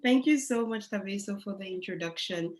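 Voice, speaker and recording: A woman's voice: mid-range voice, a little fast, background noise. A young woman from Nigeria who grew up in Spain, giving a chatty, enthusiastic seminar talk over a video call. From Nigeria, raised in Spain. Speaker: guest speaker.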